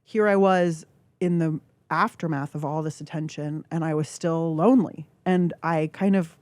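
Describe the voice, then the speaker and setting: A woman, a guest author speaking candidly in a radio studio interview, reflective and halting with filler words. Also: low voice, fairly even intonation, a little mellow, no echo. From California. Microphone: studio microphone.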